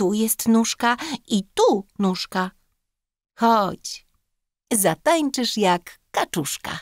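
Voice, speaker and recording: Over a silent background in a very clean recording with a dry, close sound and no echo, a woman speaks very slowly at a fairly high pitch with lively intonation, very even loudness, and long, frequent pauses. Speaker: actress and reader of children's poems. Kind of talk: children's nursery rhyme reading.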